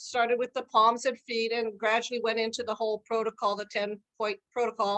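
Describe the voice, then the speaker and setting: A woman's fairly high, bright, sharp voice, fairly quick and monotone with flat intonation, dry and close with no echo against a quiet background. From Guam. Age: 70s. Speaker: health product user sharing testimonial. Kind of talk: testimony. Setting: video call.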